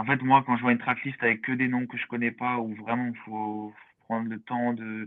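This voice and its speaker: Medium in pitch and steady at a moderate pace, a man speaks in a monotone with flat intonation. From France, Strasbourg (Alsace). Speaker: rapper. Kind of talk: casual chat.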